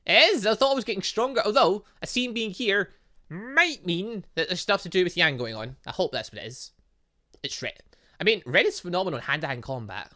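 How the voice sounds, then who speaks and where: A man hosting a gaming video, giving casual, excitable and rambling commentary and stumbling as he reads game text aloud. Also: high-pitched, fairly quick. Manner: excitable, rambling, stumbles over read lines. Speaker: gaming video host, let's play narrator.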